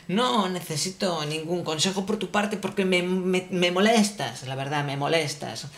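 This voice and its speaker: A man's voice: high-pitched, normal speed, fairly bright tone. A man playing a petulant, vain god who is easily annoyed and talks in an irritable, rambling, insulting way. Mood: irritated.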